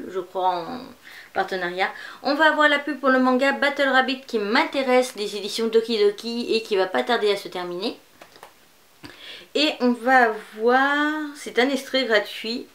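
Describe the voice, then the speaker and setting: A woman's voice: mid-range voice, fairly bright tone. A woman presenting manga in a casual unboxing vlog, chatty and rambling, with many fillers. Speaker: manga YouTuber.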